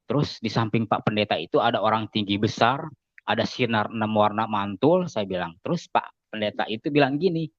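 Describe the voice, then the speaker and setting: A man with a fairly low voice tells his story casually to an interviewer and acts out what others said. The recording is dry, with no room sound, and somewhat dull and lo-fi. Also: no echo. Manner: animated storytelling, acting out quoted dialogue with raised pitch. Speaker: guest giving a conversion testimony. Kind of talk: casual spoken testimony.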